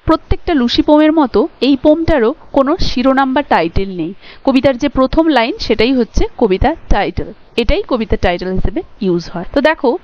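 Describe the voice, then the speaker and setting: A woman with a Bengali accent gives a poetry lesson in a slightly high voice. She explains line by line and checks in with rhetorical questions. The recording sounds dull and lo-fi. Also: animated. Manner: explanatory, asks rhetorical checks, slows to read lines aloud. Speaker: teacher. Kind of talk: exam-prep poetry lecture.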